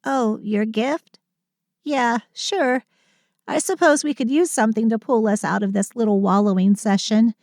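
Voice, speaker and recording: Slow, high-voiced sulky Christmas elf played by a woman. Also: darkish tone, no echo, clean studio sound. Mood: playful, teasing. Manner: dramatic, sardonic, affectionate venting. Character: sulky, sweet female Christmas elf venting to partner. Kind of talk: scripted audio roleplay monologue.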